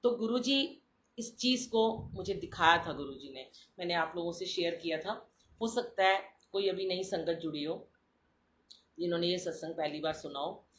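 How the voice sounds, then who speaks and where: An older woman giving an earnest devotional talk, telling a dream story and addressing listeners warmly as a congregation. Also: on the low side, a little hiss or hum. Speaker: satsang speaker. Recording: roomy live stream with faint ambience.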